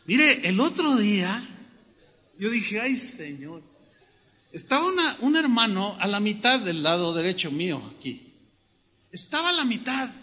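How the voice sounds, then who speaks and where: A man with a Mexican accent preaching a sermon to his congregation, telling stories in a humorous, animated way. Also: sits high, big-room sound. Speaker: pastor. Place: church hall.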